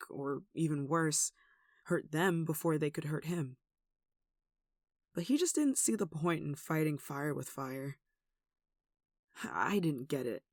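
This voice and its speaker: Performer acting out a gentle, soft-spoken nun, dry close sound. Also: mid-range voice, dry recording. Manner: tender, soothing, wistful, with sighs and soft chuckles. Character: gentle, protective young nun caring for a sick demon. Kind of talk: ASMR roleplay, soft intimate acting.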